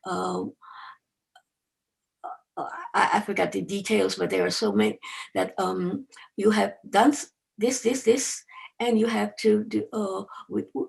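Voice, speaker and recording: Very creaky, halting older woman. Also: medium pitch, fairly even intonation, a little mellow. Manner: halting, searching for words. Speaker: class participant. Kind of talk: hesitant casual question. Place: online video call.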